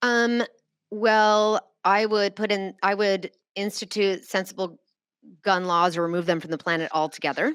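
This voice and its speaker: This very clean recording with a silent background features a woman at a medium pitch. She talks at a moderate pace with ordinary pitch variation. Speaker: communications coach and auctioneer. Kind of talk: interview answer. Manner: reflective, hesitant.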